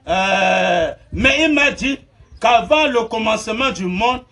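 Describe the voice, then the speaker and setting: A man preaching a sermon, laughing through his words, mocking and shouting amens. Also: sits high, expressive, takes it slowly.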